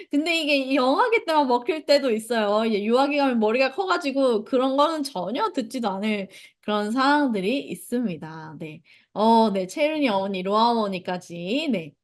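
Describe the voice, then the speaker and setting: A woman's voice: on the high side, moderate pace. A woman leading an online parenting lecture. She reads out the parents' chat comments and acts out the things parents say to their children. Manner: acts out parents' lines in lively voices. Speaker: parenting instructor.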